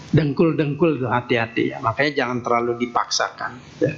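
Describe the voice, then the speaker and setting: A man's voice: medium pitch, fairly quick, gravelly, a bit bright. A man giving a Buddhist temple sermon in a folksy, joking way, tagging nearly every phrase with a questioning "ya". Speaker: Buddhist monk giving a Dharma talk. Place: temple hall. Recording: dull lo-fi sound with faint noise.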